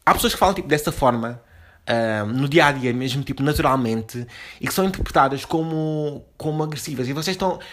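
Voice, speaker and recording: A man's voice: medium pitch, brisk, a bit bright. A young man from Portugal, hosting a podcast from home in a slangy, casual monologue full of fillers and restarts. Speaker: podcast host. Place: home room.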